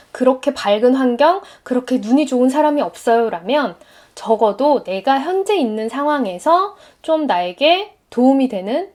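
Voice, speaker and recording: Lively woman giving friendly life advice. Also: high-pitched. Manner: animated, acts out quoted remarks in lively voices. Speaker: self-discovery vlogger. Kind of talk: casual advice talk to camera.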